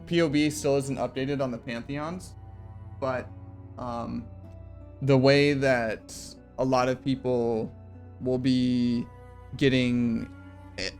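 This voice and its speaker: A tired young man who is losing his voice, casually walking through a game character build at his computer with lots of ums and uhs. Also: mid-range voice. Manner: rambling, filler-heavy explanation. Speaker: game build guide creator. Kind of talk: casual game guide walkthrough. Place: home room at a computer.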